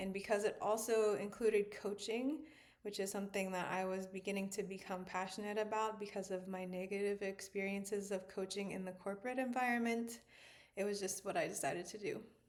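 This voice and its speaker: Speaking fairly quickly with an American accent, a woman has an unremarkable speaking voice, a medium pitch and fairly even intonation. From United States. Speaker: coach and psychology researcher. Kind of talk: casual vlog monologue. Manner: conversational, with filler words.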